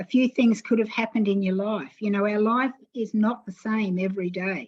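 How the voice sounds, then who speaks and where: With an Australian accent, a woman speaks at a fairly quick pace and a fairly high pitch. Her voice is somewhat breathy, with fairly even intonation. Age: 70s. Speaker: nutrition and skincare consultant. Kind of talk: interview.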